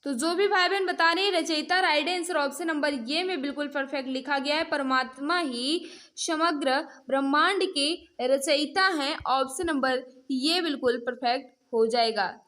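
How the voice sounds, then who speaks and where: Female online tutor, high voice, interactive mock-test delivery, repeatedly prompting learners and addressing them directly. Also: moderate pace, a bit bright. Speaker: teacher hosting an online exam-prep class. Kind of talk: interactive mock-test lesson, quizzing viewers.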